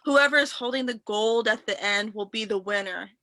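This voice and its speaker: Woman playing a bright, cocky wrestling prince. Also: on the high side, normal speed, no echo. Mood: menacing, boastful. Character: cocky young male wrestler prince, vengeful braggart. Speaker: actor in a staged reading. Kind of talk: amateur read-through of wrestling promos.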